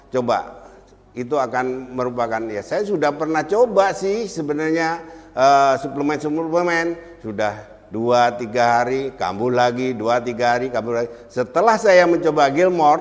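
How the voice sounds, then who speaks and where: Noticeable background noise sits behind a man speaking at a fairly slow pace with lively intonation. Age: old. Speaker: customer and volleyball coach. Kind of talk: testimony.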